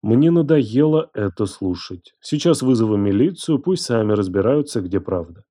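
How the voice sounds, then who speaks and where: Male reader voicing a cold, controlling man; slow, measured, dark tone. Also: fairly low pitch, expressive. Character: cold, domineering young man, the narrator himself.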